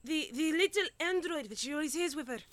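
A woman's voice: high-pitched, expressive, brisk, voice pushed down. A woman voicing a nervous young prince who stammers and hesitates. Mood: hesitant.

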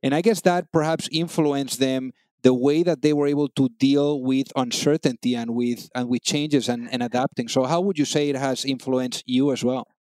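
A man's voice: mid-range voice, fairly even intonation, normal speed, hardly any pauses, darkish tone, dry recording. A man hosting a business podcast, introducing his guest and asking questions with enthusiasm and frequent restarts. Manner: enthusiastic, repeats words when restarting. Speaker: podcast host. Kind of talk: conversational interview.

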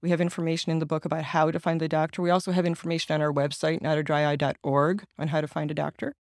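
A man's voice: on the high side, flat delivery, racing, creaky, no room sound, studio quality. A middle-aged man raised speaking Ukrainian, answering interview questions in an earnest, explanatory way with frequent restarts. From United States, Ukrainian American family. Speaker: guest, patient advocate and author.

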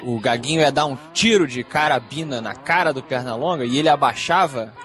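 A man's voice: mid-range voice, brisk, a bit bright. A man with a lisp, casually recalling old cartoons as a podcast co-host. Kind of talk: casual chat.

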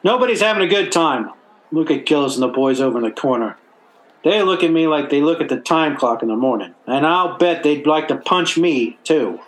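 A man playing a high-voiced, put-upon working stiff. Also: animated, a little fast, lightly acted, poor audio. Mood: sulky. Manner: colloquial, plaintive, blustery. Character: put-upon, stubborn, sentimental working-class male everyman. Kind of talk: old-time radio comedy acting.

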